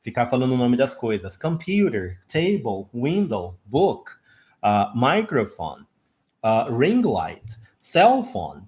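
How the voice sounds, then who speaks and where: A Brazilian man with a Brazilian Portuguese accent teaching English to camera, animated and emphatic as he demonstrates English phrases. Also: mid-range voice, takes it slowly. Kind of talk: online English lesson.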